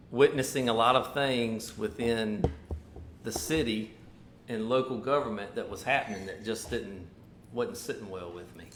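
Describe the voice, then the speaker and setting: A man's voice: lowish voice, a bit bright, slight background noise. A man in his fifties from Virginia, a mayoral candidate being interviewed, talking in an easygoing, loose and rambling way. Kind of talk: casual interview conversation. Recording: roomy echoey sound.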